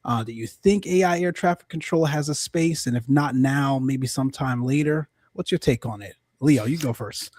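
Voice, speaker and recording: A man's voice: medium pitch, moderate pace, few pauses, darkish tone, no echo. Male podcast host, mid-range voice, loose rambling questions, dry recording. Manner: rambling, many restarts, asks questions. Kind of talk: casual podcast chat.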